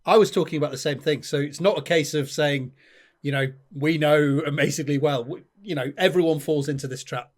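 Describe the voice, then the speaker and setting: A man hosting an interview, chatty and quick to laugh along. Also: a little high. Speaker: interview host. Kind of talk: casual interview talk.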